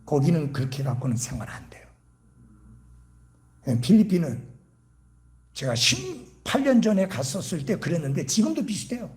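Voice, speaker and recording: A male revival preacher with a lively, swooping delivery. He keeps asking the congregation questions, then sinks to a hushed whisper to make a point. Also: fairly high pitch, moderate pace, pauses often. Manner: animated, rhetorical questions, drops to a whisper. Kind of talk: sermon.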